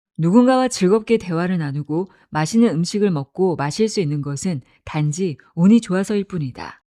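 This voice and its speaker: The voice has a dark, mellow tone with very wide pitch swings at a moderate pace. The recording is very clean and dry, close with no echo, over a silent background. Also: woman. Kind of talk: audiobook reading of a health book.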